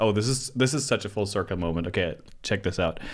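With a normal speaking voice, a man talks at a fairly quick pace and a fairly low pitch with ordinary pitch variation, in a very clean recording with a silent background. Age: 30s. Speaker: podcast host and music producer. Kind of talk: casual chat.

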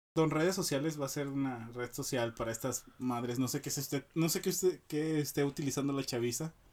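A man talks at a fairly quick pace in an unremarkable speaking voice. His pitch is fairly high for a man, with ordinary variation. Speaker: podcast co-host. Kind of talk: casual chat.

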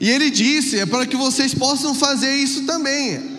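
A man's extremely high, raised and projected voice moves at a moderate pace amid noticeable background noise and audible room echo. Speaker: pastor. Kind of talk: sermon.

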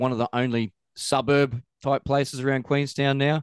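The recording is dry and close with no echo as a man with an Australian accent speaks at a moderate pace in a fairly high voice. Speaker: stay-at-home father and musician. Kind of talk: casual interview.

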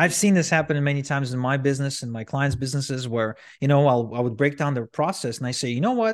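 A man with a Russian accent, fairly high-pitched, talking very fast with hardly any pauses, on a very clean recording with a silent background. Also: ordinary pitch variation. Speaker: author and podcaster. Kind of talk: casual interview. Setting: home office.

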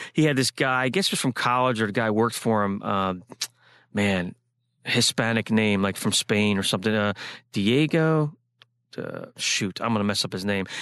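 The speaker has an unremarkable speaking voice with ordinary pitch variation and a moderate pace. The background is quiet. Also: man, fairly low pitch for a man. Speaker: podcast host. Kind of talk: casual chat.

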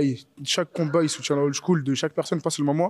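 The recording is very clean, with a silent background. A man speaks at a fairly high pitch with fairly even intonation. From Paris suburbs, Val-de-Marne. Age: 20s. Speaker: amateur MMA fighter. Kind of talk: interview. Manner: halting.

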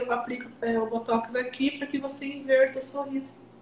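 A moderate pace and monotone, flat intonation, with noticeable background noise. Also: woman. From Brazil, Mato Grosso do Sul (Três Lagoas). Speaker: aesthetic biomedical practitioner. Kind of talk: casual interview. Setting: live video stream from her clinic.

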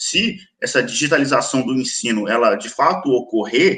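A man speaks with a Minas Gerais accent. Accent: Mineiro Brazilian Portuguese. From Minas Gerais, Brazil. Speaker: market analyst. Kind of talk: market commentary livestream. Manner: filler-heavy, frequent 'né'.

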